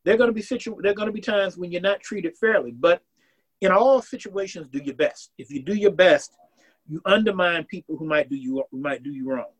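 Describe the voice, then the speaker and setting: A man's voice: high voice, a little fast, breathy edge, poor audio. A man around sixty, from the American South, speaking earnestly as an academic guest in a casual interview and restarting phrases as he thinks aloud. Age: about 60.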